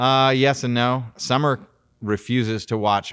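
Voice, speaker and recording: A man with a bright, sharp tone, in a very clean recording with a silent background. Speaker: trial lawyer and podcast host. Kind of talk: casual chat. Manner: fast; halting.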